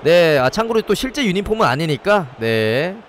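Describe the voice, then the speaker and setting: Male game streamer, high and bouncy, stuffy with a cold, playful waiter-bit patter. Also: moderate pace, slight background noise. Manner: playful, banters in a mock nightclub-waiter patter; shouts excitedly at chances on goal. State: head cold, sore throat. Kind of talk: live gameplay commentary.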